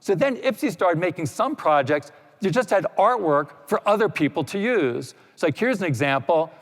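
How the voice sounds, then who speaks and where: A man's voice: high-pitched, moderate pace. Man giving a talk in an echoey hall. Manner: relaxed explaining with many "you know" asides. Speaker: panel speaker. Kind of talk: conference talk. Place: lecture hall.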